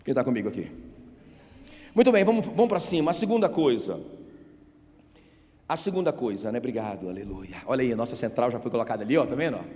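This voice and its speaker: Emphatic pastor preaching in an echoing hall. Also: male voice, mid-range voice, lively intonation, fast talker, long pauses. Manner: emphatic, calls on the congregation to shout back; asks the crowd rhetorical questions. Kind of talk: sermon. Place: church sanctuary. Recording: reverberant church hall.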